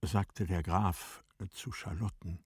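A man giving a measured, serious reading of scripted literary narration for a radio play. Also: low voice, steady tone, no echo, studio quality. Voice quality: husky.

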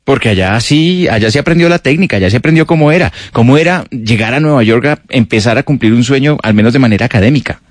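Friendly Colombian radio host. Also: male voice, mid-range voice, expressive, fast, few pauses, no room sound, clean studio sound. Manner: friendly, with short affirming replies. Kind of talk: radio interview. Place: radio studio.

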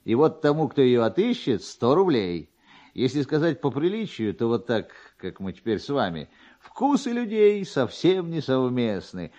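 A man's voice: medium pitch, sing-song, moderate pace, mellow, close to an everyday voice. A man voicing a garrulous, opinionated servant in a dramatised classic story, confiding and emphatic. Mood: chatty, emphatic. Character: chatty, opinionated male servant in livery. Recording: dull, band-limited archive radio recording.

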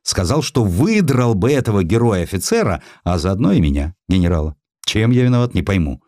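A man's voice: on the low side, big pitch swings, brisk, a little mellow, no room sound, clean studio sound. A man voicing a grumpy, elderly Russian general turned editor in an audiobook, with a plaintive, old-fashioned colloquial way of talking. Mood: plaintive, aggrieved. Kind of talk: audiobook character acting.

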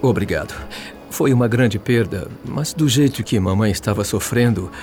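A male actor plays a tired young son in mourning in a radio drama. His Brazilian voice is fairly low, polite and restrained, with soft music behind. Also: moderate pace, natural voice. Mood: restrained, grave. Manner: grave, restrained.

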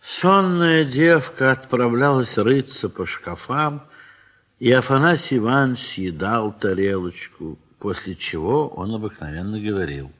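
An actor as a reflective, affectionate literary narrator in an audio drama. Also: male voice, mid-range voice, expressive, unhurried, a bit bright. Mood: fond, reflective. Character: reflective, affectionate male literary narrator recalling old friends.

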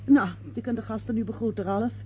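An actress playing a domineering, practical middle-aged show-business mother and hostess in a Dutch radio play, with a brisk, theatrical manner. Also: on the high side, steady tone, a little mellow, a little hiss or hum, close to an everyday voice. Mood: wounded, composed. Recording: dull lo-fi radio play recording.

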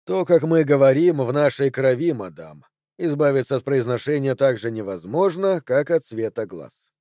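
Brief: self-assured detective, crisp and precise, mellow tone, dry close sound, as a male narrator puts him on. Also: medium pitch, expressive, moderate pace, dry recording, natural voice. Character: sharp, confident male detective Holmes. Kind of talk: audiobook character voice.

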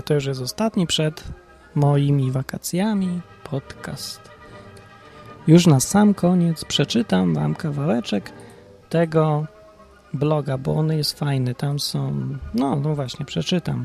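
A man's voice: fairly high pitch, unhurried, creaky, darkish tone, soft background music. A man hosting his own podcast in a rambling, self-ironic casual monologue. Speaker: podcast host.

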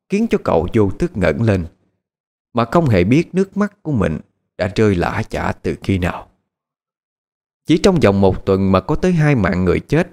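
A man narrating a dramatic story in an expressive, measured voice. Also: fairly low pitch. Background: faint background music.

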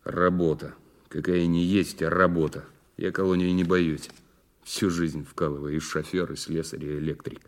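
An actor playing a defiant, bitter working-class prisoner under interrogation in an audio drama, curt and sardonic. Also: male voice, deep voice, flat delivery, normal speed. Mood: gruff, matter-of-fact. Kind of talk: naturalistic audio drama dialogue.

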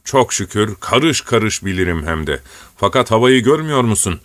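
A man putting on a calm peasant wayfarer who speaks steadily and plainly, his voice a touch higher than the narration. The recording is dry and close, like a storybook stranger met in the snow. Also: moderate pace, dry recording. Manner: calm, matter-of-fact.

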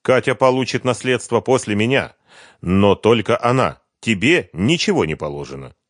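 A man reads a stern ex-husband in a low, firm voice, curt and unyielding. His delivery is lively in pitch, and the recording is dry and close. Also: moderate pace, dry recording. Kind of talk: audiobook character voice.

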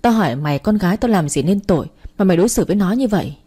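A woman's voice: medium pitch, expressive, very fast, dark tone, husky. A woman voicing a distraught young father, stammering and anguished. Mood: furious.

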